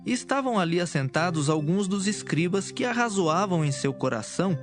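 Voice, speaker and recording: A man's voice: sits high, lively intonation, a little fast, soft background music. A man narrating a dramatized audio Bible in a solemn, formal storytelling style.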